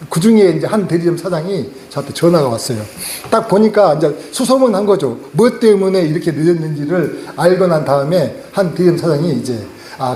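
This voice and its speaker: A man's voice: a little high, dark tone, roomy sound. A man pastor preaching a sermon, telling a personal story, laughing often and asking the congregation questions. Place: church sanctuary.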